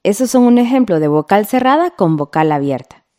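A woman teaching a radio class, reading a scripted lesson in a slow, patient way and drawing out the example words. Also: medium pitch, big pitch swings, a little mellow.

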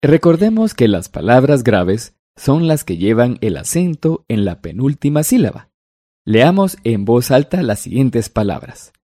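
A man's voice: mid-range voice, very animated, unhurried, warm tone, no room sound, studio quality. A man co-teaching a language lesson on a broadcast, reading examples and explaining them.

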